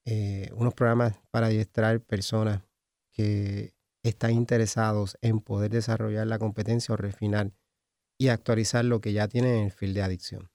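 A man's voice: on the low side, flat delivery, moderate pace, darkish tone, no room sound, clean studio sound. A Puerto Rican man in his forties, an addiction specialist speaking as a radio guest, professional but with many hesitant fillers. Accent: Puerto Rican Spanish. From Puerto Rico. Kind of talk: radio interview. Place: radio studio.

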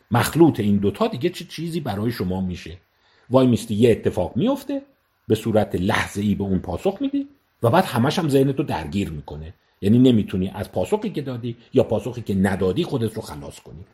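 Male lecturer with a lively, swinging voice; teaches by explaining terms and acting out little scenes. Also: medium pitch. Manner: explains terms and repeats them slowly, acts out example dialogues. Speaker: psychologist lecturer. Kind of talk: educational talk.

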